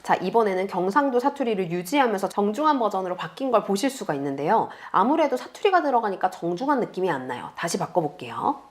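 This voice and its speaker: A woman teaching beginners step by step in a calm, patient screen tutorial, speaking close to the mic. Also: medium pitch. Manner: patient, explains slowly to beginners. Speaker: online tutor.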